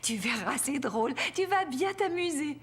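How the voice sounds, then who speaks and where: An actress playing a caring, lively grandmother in a children's cartoon, upbeat and gently instructive. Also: sits high, normal speed. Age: older. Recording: music behind the voice.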